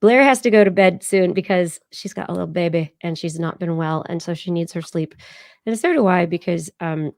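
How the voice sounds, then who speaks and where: A hoarse woman with a gravelly, fry-heavy voice on the lower side chats casually as a podcast co-host. She rambles, trailing into soft asides. The sound is dry and close to the mic. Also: fairly quick, dry recording. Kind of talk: casual chat.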